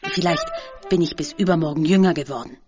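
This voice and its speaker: A woman's voice: deep voice, fairly quick, a little mellow, dull audio, soft background music, lightly acted. A woman voicing a polite, thoughtful old man who speaks courteously and reflectively, in a storybook reading. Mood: gentle.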